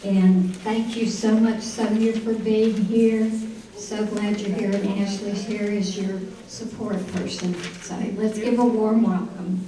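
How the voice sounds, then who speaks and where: A woman's voice: mid-range voice, level tone, a little slow, warm tone. A woman introducing a guest speaker and giving announcements to an audience, upbeat and chatty, speaking straight to the room. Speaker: event organizer introducing the speaker. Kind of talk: welcoming announcements. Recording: echoey room, distant mic, faint noise.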